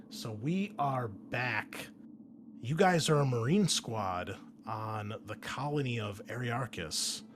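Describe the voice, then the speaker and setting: Male game master, mid-pitched voice, informal and conversational delivery for a tabletop session, noticeably noisy recording. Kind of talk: casual chat and recapping a tabletop game.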